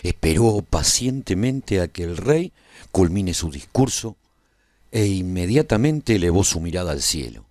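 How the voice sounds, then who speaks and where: Radio drama narrator, played by a male actor: low-voiced, earnest, reflective man, solemn dramatic phrasing, very close dry sound. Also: very animated, unhurried, darkish tone, no room sound. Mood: grave, dramatic. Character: earnest, reflective man recounting his life at a royal court. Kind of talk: scripted radio serial narration.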